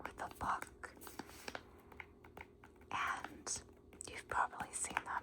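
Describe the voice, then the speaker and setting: Behind the whispering, which moves at a very slow pace, there is noticeable background noise. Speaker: ASMR creator. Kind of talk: casual talk to camera. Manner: whispered, soft-spoken; calm.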